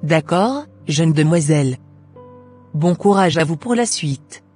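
A woman's voice: sits low, animated, slow pace, darkish tone, husky, soft background music, heavily acted. A woman voicing a polite, apologetic shop manager in an amateur Christian cartoon.

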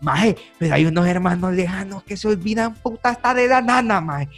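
A man's voice: high-pitched, fairly quick, faint music behind. A young man with a Salvadoran Spanish accent, hosting a podcast in casual, slangy, joking chat. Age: young adult. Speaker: podcast host. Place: small room at home, indoors. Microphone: desk microphone with headphones.

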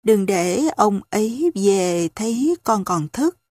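Woman reading a gentle foster mother. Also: mid-range voice, expressive, slow, dry recording, clean studio sound. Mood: soothing. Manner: soothing, reassuring.

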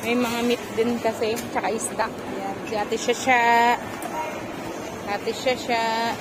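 A woman's voice: fairly high pitch, steady tone, slow pace. A woman in her forties chatting to viewers about items as she shops, talking into a phone held at arm's length. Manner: chatty, addresses viewers while shopping. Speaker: vlogger. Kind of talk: casual shopping vlog. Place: busy supermarket aisles, indoors. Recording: loud crowd and store noise.

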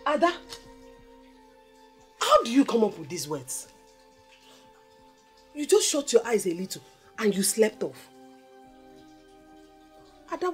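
An actress with a Nigerian accent playing an emphatic mother in a film drama, given to scolding and reassuring. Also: medium pitch. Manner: emphatic, repeats rhetorical questions and tag words.

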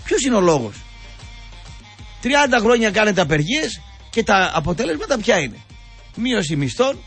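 A man's voice: high-pitched, sing-song, fairly bright tone, breathy edge, soft background music. An older man, a radio host delivering an indignant, sarcastic rambling monologue full of fillers.

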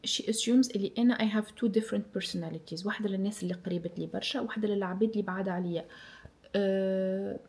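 Mellow-voiced Tunisian woman vlogger. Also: mid-range voice, steady tone, quick pace. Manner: reflective, switching freely between Arabic, French and English. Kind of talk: casual chat answering viewer assumptions.

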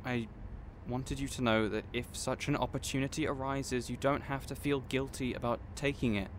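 A man's voice: medium pitch, fairly even intonation, moderate pace, a little hiss or hum, close to an everyday voice. A man playing a kindly, encouraging villain boss in an audio roleplay, speaking earnestly and reassuringly. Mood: weary, tender. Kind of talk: character audio roleplay acting.

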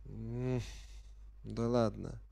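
Slow, low-voiced sick man. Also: fairly even intonation, vocal fry, warm tone, dry recording. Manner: halting, unsure, non-native speaker fumbling for words; reads game menu text aloud while puzzling over it. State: sick with a virus. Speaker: gamer playing on camera. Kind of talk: unprepared first-time gameplay commentary.

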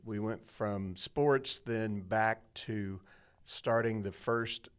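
A man's voice: fairly low pitch, fairly even intonation, drawn-out words, smooth. A middle-aged man telling his story in a casual, rambling, self-deprecating way as a podcast guest. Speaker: church media director, guest.

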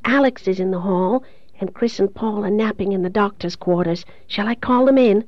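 A woman's voice: mid-range voice, normal speed, no echo, muffled recording, natural voice. A woman voicing a tender, protective motherly woman in an audiobook, soothing and urgently pleading. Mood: gentle, soothing.

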